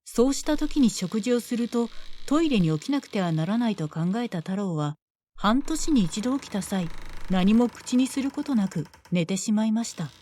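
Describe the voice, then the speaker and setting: Gentle woman telling a bedtime tale. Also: fairly high pitch, animated, a little hiss or hum. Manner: gentle, measured storytelling. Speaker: storyteller. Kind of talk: bedtime story narration.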